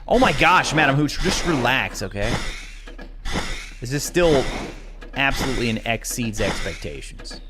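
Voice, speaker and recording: A man giving casual, slangy, chatty commentary as he plays a video game, reacting out loud. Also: mid-range voice, animated, moderate pace, long pauses, noisy background. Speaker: video game let's-play host. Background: video game music.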